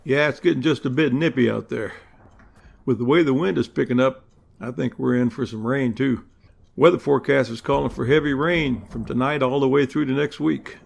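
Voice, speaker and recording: A man's voice: mid-range voice, steady tone, fairly quick, gravelly. A man playing a folksy, wry outdoor colleague in an amateur audio drama. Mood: wry concern.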